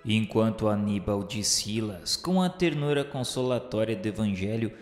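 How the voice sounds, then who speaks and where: A man's voice: fairly low pitch, animated, normal speed. A Brazilian man giving a solemn, dramatic first-person narration for a radio novel, with formal, literary diction. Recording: echoey hall reverb with music. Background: music.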